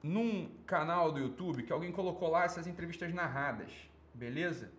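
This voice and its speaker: A man's voice: a little high, moderate pace, fairly bright tone. A Brazilian man giving informal, off-the-cuff commentary as a program host, opinionated and emphatic, with repetition and slangy, profane wording.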